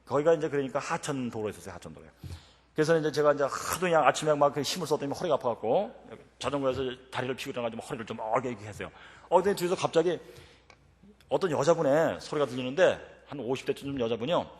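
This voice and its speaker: A middle-aged man preaching at a revival meeting. He moves between fervent, shouted prayer and a chatty, animated anecdote. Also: mid-range voice, fast talker. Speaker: preacher and professor. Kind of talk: revival-meeting sermon with storytelling. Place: church sanctuary. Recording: echoey hall reverb.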